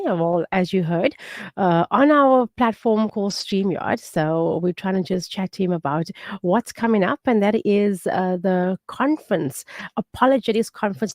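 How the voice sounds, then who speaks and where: A woman with a South African accent hosting a live morning radio show, bubbly and quick with some fillers. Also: mid-range voice, a little mellow, dry recording, studio quality. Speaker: radio host.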